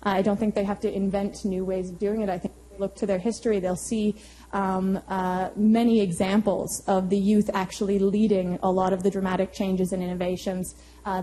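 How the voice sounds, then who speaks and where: Mellow-voiced woman professor on a panel. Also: mid-range voice, slight background noise, poor audio. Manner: thoughtful, searching for words. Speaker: history professor, panel speaker. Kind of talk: prepared panel remarks to a university audience.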